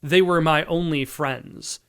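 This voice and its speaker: A man playing a video game who reads its text aloud in a plain, measured way, with casual asides. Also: on the high side, steady tone, a bit bright, clear, resonant tone. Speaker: let's play host.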